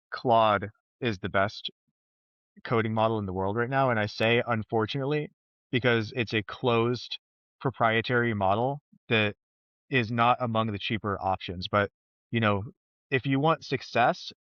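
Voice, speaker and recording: A man speaking as a podcast guest, a software developer talking in a thoughtful, hesitant way with many pauses and restarts. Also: medium pitch, dry recording, dull audio. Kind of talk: casual podcast chat.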